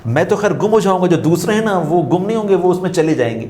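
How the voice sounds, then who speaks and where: A man as a talk-show guest, speaking in an unhurried, musing way, repeating phrases for emphasis and quoting couplets. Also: high-pitched, animated, warm tone, slight background noise. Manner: quotes couplets while explaining. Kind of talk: reflective talk-show conversation.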